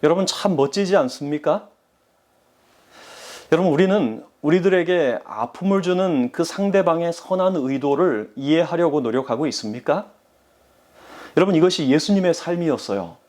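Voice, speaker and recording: Male pastor, slightly higher voice, earnest sermon delivery to a congregation. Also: expressive, moderate pace, a little mellow. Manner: earnest, addresses the congregation directly.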